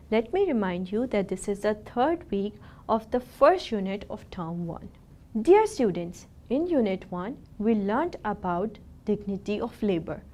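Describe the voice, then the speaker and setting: Lady teacher reading a lesson script, careful and slow, mid pitch. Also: warm tone. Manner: slow, careful, sounding out words.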